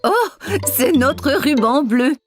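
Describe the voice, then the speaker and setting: Cartoon grandma: gentle, nostalgic, encouraging, somewhat high-pitched. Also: female voice, lively intonation, slow pace, over music. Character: kind, nostalgic grandmother of a little boy. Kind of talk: children's cartoon dialogue.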